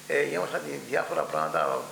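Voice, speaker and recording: Gravelly older Cypriot man reminiscing. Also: medium pitch. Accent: Cypriot Greek. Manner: animated storytelling, acts out dialogue. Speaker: interviewee. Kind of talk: oral history recollection. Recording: echoey room with faint hum.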